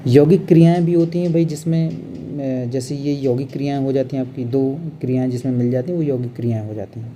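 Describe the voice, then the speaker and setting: A man teaching an exam revision lesson on Hindi grammar, explaining step by step and slowing down to show how words are pronounced. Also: medium pitch, steady tone, mellow, a little hiss or hum. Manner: explains step by step, often adds "bhai" and "hai na"; drawn-out, slow when showing pronunciation.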